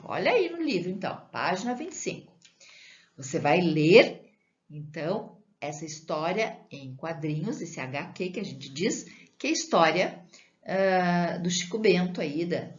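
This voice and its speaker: A woman's voice: fairly low pitch, lo-fi sound. A woman teaching a Brazilian primary school lesson for remote learners, who checks in with the students often. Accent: Brazilian Portuguese. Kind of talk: recorded remote class lesson.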